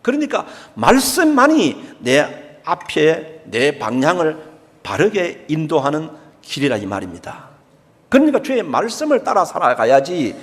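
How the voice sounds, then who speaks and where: An older man with a Gyeongsang accent preaching a sermon, emphatic and repetitive, acting out everyday speech. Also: medium pitch. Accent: Gyeongsang Korean. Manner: emphatic, repeats key phrases, acts out everyday speech. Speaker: pastor. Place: church sanctuary. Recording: long church reverb.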